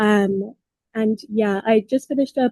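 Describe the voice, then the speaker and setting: Dry and close with no echo, this recording has a woman with an Irish accent and a dark, mellow tone. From Ireland. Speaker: community outreach staff. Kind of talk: self-introduction at board meeting.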